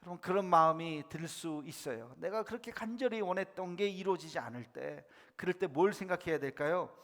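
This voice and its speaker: Pastor guy preaching, bright tense voice, lots of long church echo. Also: high-pitched, brisk. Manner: emphatic, asks the congregation questions. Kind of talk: sermon. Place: church sanctuary.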